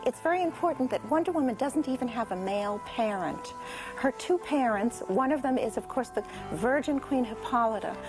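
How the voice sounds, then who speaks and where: A woman giving a measured, explanatory documentary interview about comics history. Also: on the high side, expressive, over music, poor audio.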